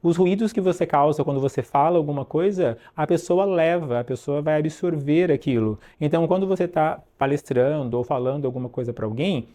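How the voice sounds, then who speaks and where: A man from Brazil talks through an English lesson in a loose, rambling manner. His voice sits a little high but sounds mellow and relaxed. He fills his talk with asides and fillers. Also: a little fast, hardly any pauses. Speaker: English teacher. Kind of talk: casual online lesson.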